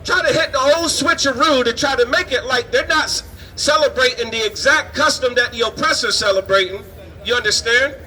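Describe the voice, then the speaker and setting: Preaching on a city street, this man speaks fairly quickly in an extremely high, sharp voice, emphatic and indignant, dotting his lines with "man" and "you understand." It's a fiery sermon caught in a low-quality recording full of outdoor street noise and passing vehicles.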